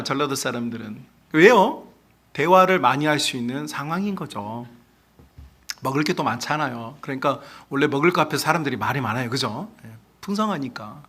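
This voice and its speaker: Lively, bright-voiced male pastor preaching. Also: fairly high pitch. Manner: animated, asks the congregation questions; acts out quoted speech in other voices. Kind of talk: sermon.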